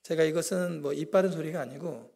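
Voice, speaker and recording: Gravelly husky man telling a church testimony. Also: on the high side, brisk, a little mellow. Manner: humorous, self-deprecating storytelling. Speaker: guest preacher. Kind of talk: sermon testimony.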